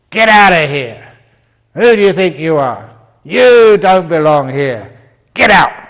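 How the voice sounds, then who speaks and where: A man shouts in a put-on character voice, pitched high with very wide swings. He goes at a fairly slow pace with long, frequent pauses. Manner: angry, shouting.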